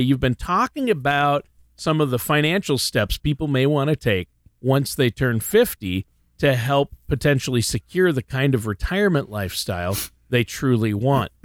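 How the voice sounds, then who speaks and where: Recorded very cleanly against a silent background with a dry, close sound and no echo, a man with a fairly high pitch and an ordinary speaking voice talks at a moderate pace with lively intonation. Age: 50s. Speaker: radio co-host. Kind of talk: radio talk show.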